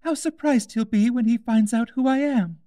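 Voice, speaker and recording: A man's voice: very high-pitched, normal speed, mellow, dry recording, voice pushed up. A man voicing an earnest, wistful, polite young girl in a storybook tale. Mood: surprised.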